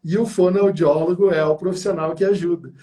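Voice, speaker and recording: Casting: high-pitched man, effusive interview host who acts out anecdotes. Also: fairly even intonation, fairly quick, warm tone. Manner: effusive, acts out quoted voices with big pitch jumps. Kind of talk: enthusiastic interview chat.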